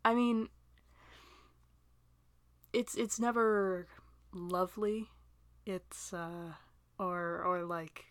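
Young woman doing a chill listener q&a, talks slow, keeps laughing at herself, goes all whispery sometimes, dry mic. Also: lowish voice, steady tone, no room sound.

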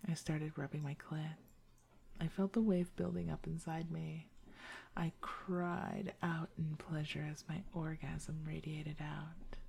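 A woman voicing a playful, devoted girlfriend, speaking in a hushed, whispery way. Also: low voice, creaky, slight background noise. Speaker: voice actress in an intimate audio roleplay. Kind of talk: intimate whispered roleplay.

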